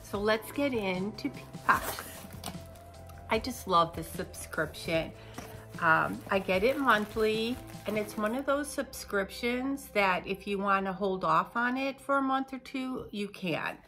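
An older woman in her sixties talks to the camera from her living room, her voice a bit nasal from a cold. She rambles at an unhurried pace with plenty of ums. Soft music sits faintly behind her. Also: mid-range voice. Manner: chatty, rambling with fillers, seated talking to camera. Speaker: unboxing vlogger. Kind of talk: casual chatty unboxing. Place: living room at home, indoors.

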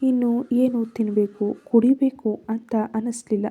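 A woman's voice: on the high side, fairly even intonation, measured pace, husky, phone-quality sound. A woman narrating a first-person love story in Kannada-accented speech, raising her voice for quoted lines.

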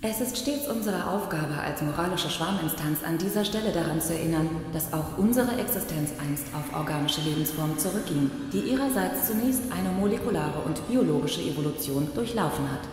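A woman's voice: deep voice, lively intonation, brisk, hardly any pauses, a little mellow. A woman playing a principled archive machine, the moral authority of its swarm, speaking formally and admonishingly in a science fiction radio play. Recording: heavy echo and reverb, faint music.

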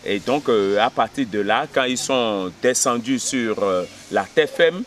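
A man in his fifties from Benin, a history teacher, telling village history in an outdoor interview, pausing on fillers and often checking he is understood. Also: mid-range voice, a bit bright, a little hiss or hum. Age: 50s. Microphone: camera at close range.

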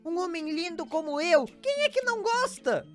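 A woman voicing a cheeky, vain cartoon boy who pranks his friend, squeaky and excitable. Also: moderate pace, loud music behind the voice. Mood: excited.

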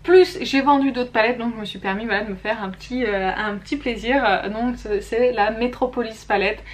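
A woman's voice: a little high, normal speed. A young woman talking casually and candidly to her camera at home as she reviews makeup and skincare products, restarting her sentences often. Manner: chatty and candid, with frequent fillers and self-corrections. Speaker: beauty vlogger. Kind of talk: casual monthly favorites and flops review.

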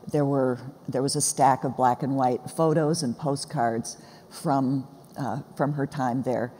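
Swedish-born woman with a mellow voice. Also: very deep voice. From born in Sweden, raised in the US. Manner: warm, laughs often, reflective storytelling. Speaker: guest, seminary professor. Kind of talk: conversational interview. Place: church stage, large hall. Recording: reverberant hall, faint noise.

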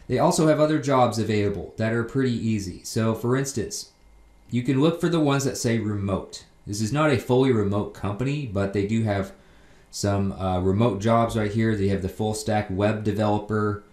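A man's voice: lowish voice, a little mellow, echoey room. A man hosting a job tips video, reading out listings and explaining them plainly in a casual narrating style.

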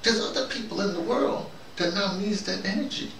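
An older American man giving a rambling, halting conversational monologue, repeating himself and speaking colloquially with emphasis. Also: high voice, a bit bright. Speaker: host, storytelling activist. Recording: noisy, roomy, distant microphone.

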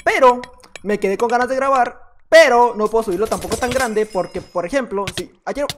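A man's voice: very high voice, brisk, fairly bright tone, a little hiss or hum. A man with a Mexican accent giving playful, joking gameplay commentary as a youtuber, laughing often. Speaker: youtuber gamer.

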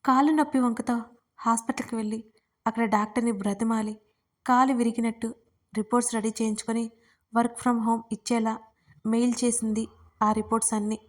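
A woman storyteller narrating a romance serial in a calm, steady audiobook reading. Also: a little high, brisk, pauses often.

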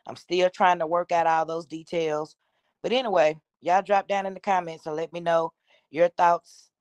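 A woman's voice: fairly low pitch, fairly even intonation, moderate pace, a little mellow, no room sound, muffled recording. A woman giving casual, opinionated commentary, talking directly to her online viewers in a conversational way. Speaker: YouTube commentator, host.

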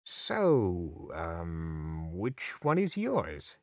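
A man's voice: huge pitch swings, extremely slow, dry recording, studio quality, heavily acted. An actor playing Discord, a snarky, theatrical male chaos spirit in a fan radio drama. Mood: awkward. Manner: sarcastic, theatrical swings in pitch.

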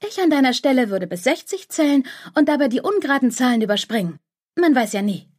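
A high-pitched, girlish inner voice, as a woman reader puts it on, pushy and fearmongering, pressing its worries in an audiobook. It wheedles and insists, a little breathy and husky at the edges. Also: sing-song, fast talker, a little mellow. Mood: insinuating. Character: nagging anxious inner voice, girlish, clingy.

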